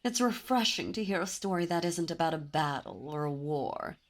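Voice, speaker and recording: A woman voicing a dominant, possessive demon princess in an ASMR roleplay, speaking in a silky, commanding way with soft whispers. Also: low-pitched, lively intonation, moderate pace. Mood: languid. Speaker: voice actor. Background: birdsong and ambient sound effects.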